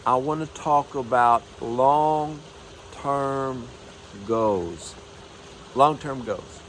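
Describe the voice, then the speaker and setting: An energetic man in his forties, a minister talking casually to the camera, emphatic, telling folksy stories. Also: mid-range voice, a little hiss or hum. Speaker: minister and motivational speaker. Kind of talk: casual motivational talk to camera.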